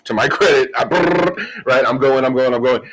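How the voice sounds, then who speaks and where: A man in the middle of his usual range tells a story with loose, energetic delivery. He laughs often, swears casually and keeps the chat relaxed. He speaks as a podcast co-host. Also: medium pitch, moderate pace, background noise.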